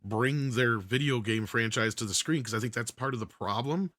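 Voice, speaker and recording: A panelist on an entertainment news talk show gives casual, opinionated commentary on movies, talking at length to argue his point. His medium-pitched voice is a bit bright at normal speed, recorded dry with studio quality.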